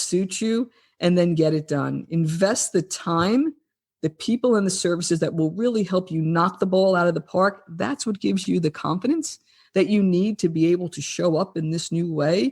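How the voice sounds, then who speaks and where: In a very clean recording with a silent background, a woman speaks at a medium pitch with a New Jersey accent. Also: ordinary pitch variation, moderate pace. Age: 50s. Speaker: wellness coach, former corporate executive. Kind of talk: interview. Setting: podcast interview.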